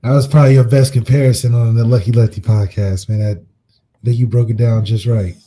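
A man's voice: mid-range voice, fairly even intonation, fairly quick, dark tone. A man co-hosting a sports podcast, chatting casually and agreeing in a laid-back way. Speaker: podcast co-host.

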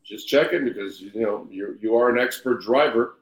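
A male podcast host with a medium-pitched voice talks sports casually and likes to tease. His sound is strongly echoey, bouncing around like a big room. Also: moderate pace. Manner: joking, teasing.

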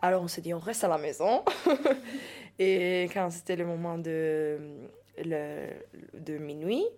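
Woman speaking french, bit low voice, laughs a lot, looks for words sometimes. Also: slow. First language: Italian. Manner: lively, laughs often, searches for words. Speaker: staff member at a youth shelter. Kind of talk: casual radio interview.

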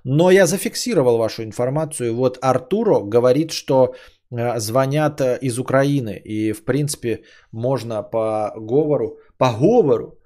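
Man, mellow warm voice, casual rambling stream host, lots of filler sounds, blunt. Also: medium pitch, normal speed. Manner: rambling, hesitant with many fillers, blunt and swearing. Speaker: podcast host reading donations. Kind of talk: casual livestream chat.

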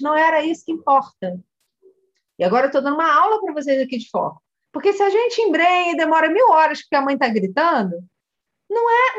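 A Brazilian woman with a high voice teaches as a family coach, retelling a session with animated storytelling. She acts out the dialogue and speaks straight to her listeners. The recording sounds dull and muffled.

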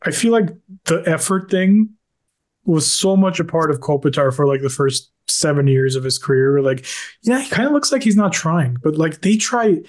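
A man co-hosting a casual sports podcast, talking in an animated way and dropping joking asides. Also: a little high, moderate pace. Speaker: podcast co-host.

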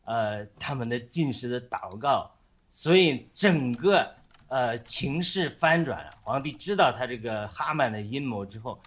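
A man casually retelling a Bible story on a Christian chat, halting often with fillers and restarts. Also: mid-range voice, lively intonation, fairly bright tone. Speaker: Christian speaker on a faith chat.

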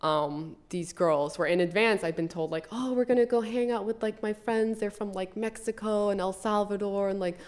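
A woman's voice: medium pitch, flat delivery, normal speed, few pauses. A young woman who grew up in Colombia, talking casually as an author guest in an interview, rambling with many "like"s. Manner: rambling, filler-heavy with frequent "like". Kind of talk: podcast interview.

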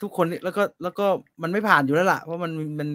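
A man's voice: fairly high pitch, rapid-fire, pushed and bright, dry recording, studio quality. A man chatting casually about politics, often checking with his partner by asking questions. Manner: casual, asks leading questions.

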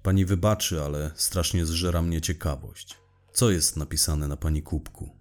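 A man playing a very deep-voiced weary investigator. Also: steady tone, normal speed, a little mellow, faint music behind. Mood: irritated, weary. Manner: formal, wordy, bitter confession. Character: weary, irritable divorced male investigator talking to his psychologist. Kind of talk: scripted audio drama monologue.

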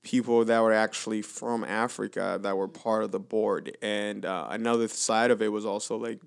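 A man's voice: lowish voice, steady tone, moderate pace, gravelly, clean tone. A man hosting a casual interview, chatting in an upbeat, informal way with plenty of slang. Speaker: interview host.

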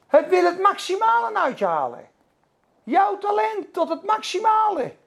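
A man's voice: very high voice, sing-song, moderate pace, creaky. A man preaching a sermon, fervent and emphatic, calling out to his listeners. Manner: fervent, emphatic, acts out dialogues.

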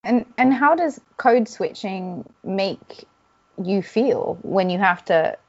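A woman interviewer asking brief, gentle follow-up questions. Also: medium pitch, animated, takes it slowly, lo-fi sound.

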